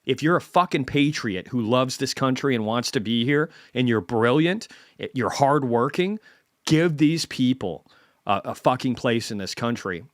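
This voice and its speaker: A man's voice: mid-range voice, animated, normal speed, dry recording. A man hosting a market commentary stream, ranting bluntly and swearing heavily.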